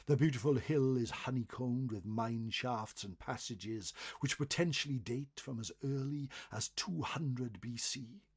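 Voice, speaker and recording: A man narrating folklore as a storyteller, expressive and dramatic, swelling on phrases and dropping to hushed endings. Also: medium pitch, husky. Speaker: storyteller reading a folklore article.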